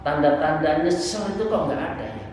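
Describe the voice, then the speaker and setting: A man's voice: on the high side, a little fast, darkish tone. A man in his sixties with a Javanese accent gives an informal religious lesson, exhorting conversationally with rhetorical asides. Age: 60s. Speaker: Islamic preacher and Sufi teacher. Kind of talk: sermon, informal religious lesson explaining a book. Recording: very echoey hall, distant mic, faint noise.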